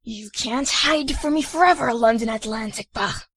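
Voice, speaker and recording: A menacing spirit in an audio drama. Her voice is very high and shrieking. She delivers every line as a threat. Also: normal speed, fairly bright tone, husky. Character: menacing shrieking female spirit speaking through a bat.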